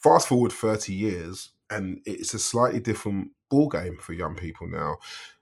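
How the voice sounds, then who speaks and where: An unremarkable speaking voice from a man, fairly low in pitch, with ordinary pitch variation, big swings in loudness and a moderate pace, in a very clean recording with a silent background. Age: 40s. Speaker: charity founder, youth violence campaigner. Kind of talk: interview.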